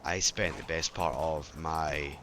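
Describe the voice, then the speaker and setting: A man's voice: a bass voice, steady tone, slow, noisy background. A man hosting a gaming channel, chatting casually over gameplay with a sore, failing throat, rambling and apologetic, often correcting himself. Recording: game music playing behind.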